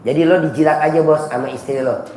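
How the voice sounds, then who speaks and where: A man's voice: on the high side, fairly even intonation, fast, mellow, a little hiss or hum. A man hosts a live advice session full of crude banter. His voice echoes around the room, and a faint ambience hums behind it. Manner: bantering, crude jokes, calls people "Bos" and "Do". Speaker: host giving advice sessions. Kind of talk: joking advice session before a live audience.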